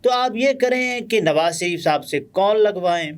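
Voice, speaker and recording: A man with a Pakistani Urdu accent giving conversational political news commentary, pausing often with fillers. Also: sits high, animated, clear, resonant tone. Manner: conversational, many pauses and fillers.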